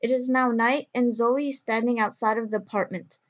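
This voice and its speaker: A woman narrates an audio drama from a script. Her voice is fairly high as she describes the scene. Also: fairly even intonation, moderate pace, dull audio.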